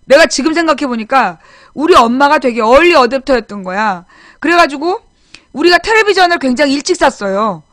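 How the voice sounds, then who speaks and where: This high-pitched woman speaks expressively and fairly quickly, her tone fairly bright in a dry, studio-quality recording. In her forties and hosting a live political chat show, she drifts through childhood memories in a chatty, restart-heavy way, calling out viewer names as she goes on the casual stream.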